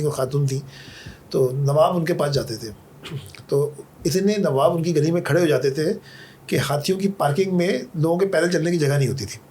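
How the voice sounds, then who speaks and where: A man's voice: on the high side, darkish tone, slight background noise. A man from Karachi, a podcast guest, talking in a thoughtful, conversational way, telling anecdotes and quoting poetry. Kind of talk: reflective conversational Urdu talk.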